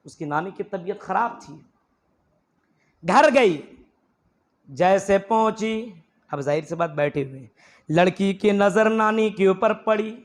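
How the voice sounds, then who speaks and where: A man's voice: sits high, measured pace, pauses often. A man preaching a sermon, telling stories emphatically and repeating key phrases while addressing his listeners as brothers. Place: mosque gathering.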